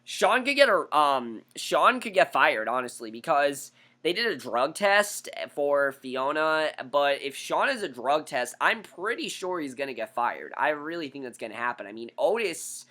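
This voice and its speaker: A man casually reviewing a TV episode, blunt and opinionated, his voice hoarse after being sick. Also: fairly high pitch, very animated, moderate pace, hardly any pauses, sharp tone. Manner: blunt, opinionated, repeats himself. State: hoarse from recent illness.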